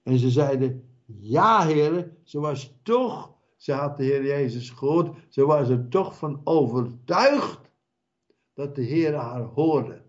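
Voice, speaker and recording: A man preaching a sermon in a slow, emphatic way, repeating key words for weight. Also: mid-range voice, darkish tone, highs cut off.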